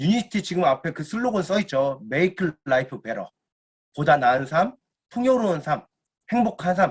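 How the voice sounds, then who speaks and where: A man speaks at a moderate pace in a high voice, his pitch swinging very widely, with long, frequent pauses. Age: 30s. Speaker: network marketing distributor. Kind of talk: motivational seminar talk. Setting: video call lecture. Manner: frequent fillers.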